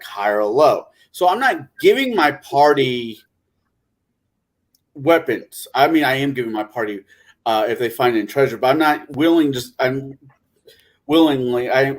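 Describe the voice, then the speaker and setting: A man chatting casually as a game master on a gaming panel, rambling, stumbling and correcting himself. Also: mid-range voice. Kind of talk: casual chat.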